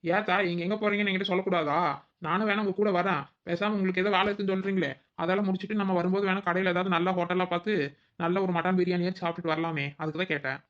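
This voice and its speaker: A woman's voice: lowish voice, fairly even intonation, very fast, highs cut off, lightly acted. A woman voicing a cheeky young daughter-in-law in a cartoon, who whines and talks back. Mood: whining. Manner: whiny and cheeky. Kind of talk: cartoon voice acting.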